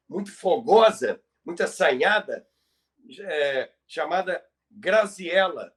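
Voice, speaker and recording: Brazilian male co-host, high-pitched, conversational storyteller with halting, repetitive phrasing. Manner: halting, repeats words for emphasis. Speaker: podcast co-host. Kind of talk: conversational storytelling about radio history.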